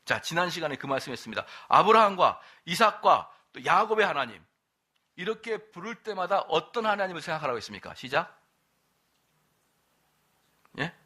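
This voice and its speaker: Bright, animated male pastor preaching. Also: a little high. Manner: lively preaching, quizzes the congregation, quick asides. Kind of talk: sermon. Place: church at an evening service.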